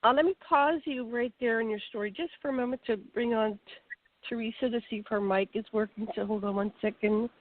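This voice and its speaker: A woman's voice: a little high, fairly even intonation, fairly quick, no echo. A woman from the northern United States hosting an online talk show, chatty and encouraging as she asks a guest questions. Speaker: host. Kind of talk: casual interview hosting. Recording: distant, phone-like call audio.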